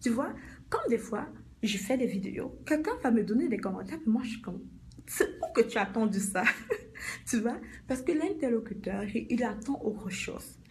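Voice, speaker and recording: A woman's voice: on the high side, very animated, normal speed, darkish tone, slight background noise. A middle-aged woman, a life coach giving a motivational live talk, speaking straight to her viewers and repeating her points.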